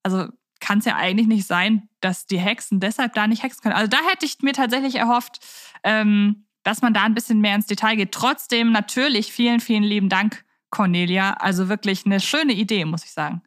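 A woman's voice: medium pitch, brisk, dry recording. A woman with a mid-range voice co-hosts a podcast. She talks conversationally and reflectively, laying out her thoughts in detail. The sound is dry, with very little room in it. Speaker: podcast co-host.

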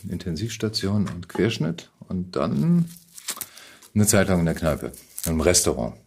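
A man's voice: deep voice, sing-song, a little slow, darkish tone, a little hiss or hum. A man chatting casually and bantering as an interview guest. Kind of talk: casual chat.

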